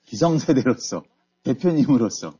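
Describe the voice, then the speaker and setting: A man's voice: mid-range voice, lively intonation, moderate pace, warm tone, husky, no echo. A man hosting a radio talk show, asking a guest questions in a casual, agreeable way. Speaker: radio host. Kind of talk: radio interview. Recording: dull lo-fi radio studio audio.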